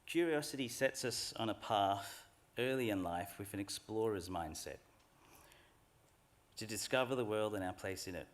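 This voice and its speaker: A middle-aged man speaks in a fairly low voice. He delivers a formal graduation address at a lectern in a large hall, unhurried, earnest and reflective. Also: expressive. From Australia.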